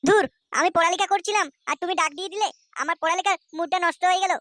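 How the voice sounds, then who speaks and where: Squeaky whiny cartoon boy. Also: fairly even intonation, racing, pushed and bright, no room sound. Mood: whiny, defensive. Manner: squeaky, whining. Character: whiny, cheeky young son dodging blame in cartoon. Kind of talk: Bengali comedy cartoon dubbing.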